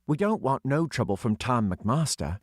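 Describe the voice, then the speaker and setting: Man doing an excitable, high-pitched schoolboy. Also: normal speed, no echo, studio quality. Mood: reluctant. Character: blunt, excitable schoolboy treasure hunter.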